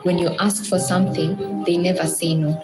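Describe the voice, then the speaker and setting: A woman's voice: fairly low pitch, level tone, normal speed, reverberant. A woman reading scripted documentary narration as a narrator. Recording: played video with music underneath. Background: music.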